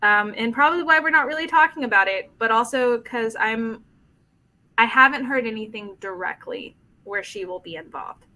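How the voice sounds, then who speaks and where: A woman's voice: on the high side, moderate pace, sharp tone. A woman co-hosting a casual comics podcast, tired and emotionally drained, candid and frank, often trailing off. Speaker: podcast co-host. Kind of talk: casual live-streamed comics podcast chat.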